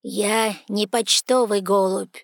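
A woman voicing a proud, sardonic male talking raven with a hoarse, croaking voice and a slow, cold, mocking manner. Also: mid-range voice, fairly even intonation, no room sound, clean studio sound, natural voice. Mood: curt, aloof. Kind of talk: audiobook character voice.

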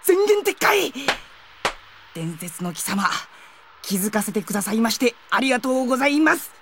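A woman playing a cheeky, excitable teenage schoolboy in an audio drama, talking bluntly with theatrical flair. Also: medium pitch, noisy background. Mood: startled. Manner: casual, blunt boyish talk with theatrical outbursts. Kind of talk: Japanese audio drama acting.

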